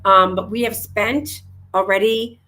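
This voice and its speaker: A woman's voice: mid-range voice, steady tone, unhurried, bright, forceful tone. A woman co-hosting a casual livestream talk show from home on a video call, bubbly and gushing. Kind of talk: casual upbeat livestream chat. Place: home, indoors, in Florida.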